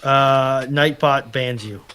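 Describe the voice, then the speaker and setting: A man chatting casually as a panellist, with a measured, dry manner. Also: medium pitch, fairly even intonation, fairly bright tone, smooth. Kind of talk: casual chat.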